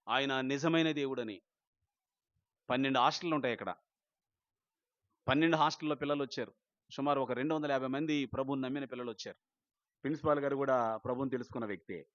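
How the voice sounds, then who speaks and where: A man preaching an Easter sermon with passion, swinging from loud cries down to low, quiet lines. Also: dry recording, lo-fi sound. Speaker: pastor. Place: prayer house.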